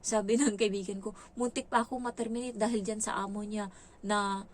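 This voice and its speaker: A woman's voice: mid-range voice, fairly even intonation, brisk. A woman who works as a domestic helper, telling a story in a casual, gossipy way with frequent exclamations.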